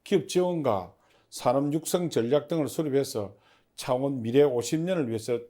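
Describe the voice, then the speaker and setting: This public agency chief sounds partly reliant on prepared notes, his interview answers formal and somewhat halting. The voice is mid-range and mellow.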